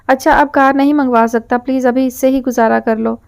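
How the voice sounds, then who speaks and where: A cocky, quick-tempered young rich man barks orders and teases by turns, as a woman narrator reads him. The voice sits high, smooth and mellow, with no attempt to sound like someone else. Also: steady tone. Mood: teasing. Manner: teasing, then curt and commanding.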